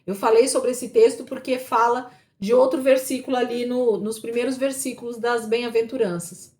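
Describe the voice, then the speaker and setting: Woman Bible teacher, slightly high voice, patient and explanatory, keeps checking in with her class. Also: steady tone, normal speed, a little mellow. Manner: explanatory, checks in with frequent tag questions.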